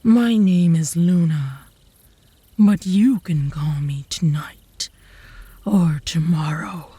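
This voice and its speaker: A woman voicing a flirtatious, obsessive werewolf woman in an ASMR roleplay, with a breathy, teasing drawl that often drops to a whisper, close to the mic. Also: lowish voice, warm tone, dry recording, heavily acted. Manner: slow, teasing, seductive drawl. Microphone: close ASMR microphone.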